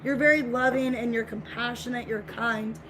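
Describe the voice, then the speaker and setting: A woman's voice: fairly high pitch, fairly even intonation, normal speed. A woman giving a casual tarot reading to viewers, speaking in a repetitive, reassuring way, with her voice getting scratchy. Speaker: tarot reader.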